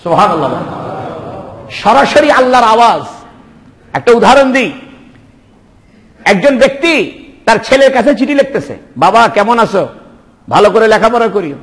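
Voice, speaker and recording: A man's voice: high voice, very animated, moderate pace, pauses often, a bit bright, in a large hall. A man preaching a sermon, impassioned, firing rhetorical questions and repeated exclamations of praise. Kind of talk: Bengali waz sermon.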